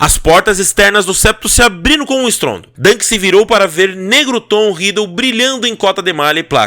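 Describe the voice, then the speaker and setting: A man puts on a hoarse character voice, raised and projected, high-pitched with ordinary pitch variation, at a moderate pace with hardly any pauses. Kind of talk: audiobook narration. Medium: read story.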